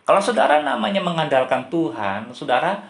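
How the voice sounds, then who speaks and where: A man's voice: a little high, big pitch swings, fairly quick, creaky, roomy sound. A man preaching a sermon, telling a story and addressing the congregation directly again and again. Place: church.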